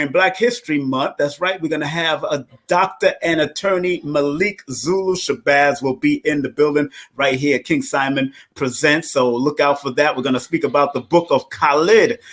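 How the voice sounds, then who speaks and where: Male host, slightly high voice, energetic, repetitive promo patter, live show intro. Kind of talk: livestream show intro and sponsor shout-outs. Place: Florida, away from home base.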